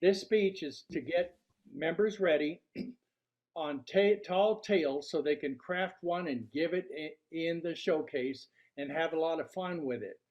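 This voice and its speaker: An older man giving a prepared club workshop talk in a deliberate, showman-like way, posing rhetorical questions. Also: on the high side, darkish tone. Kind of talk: prepared public speech to a club audience. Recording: dull, lo-fi sound.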